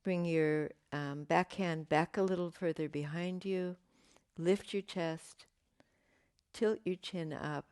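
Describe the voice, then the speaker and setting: Woman yoga teacher, slow gentle cueing, low voice, a bit croaky, dry sound. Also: dry recording. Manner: gentle, unhurried cueing with pauses and fillers. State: slightly croaky voice. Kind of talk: guided yoga class instruction.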